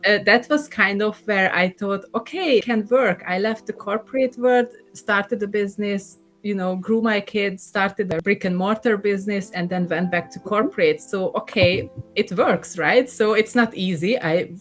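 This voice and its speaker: A woman's voice: medium pitch, moderate pace, hardly any pauses, fairly bright tone, soft background music, rough recording. A woman in her forties with a Hungarian accent, a podcast guest telling her story in a chatty way, laughing often and filling with "uh" and "you know". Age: 40s. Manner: chatty, laughs often, many fillers and restarts. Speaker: podcast guest, career coach. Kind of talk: casual interview storytelling.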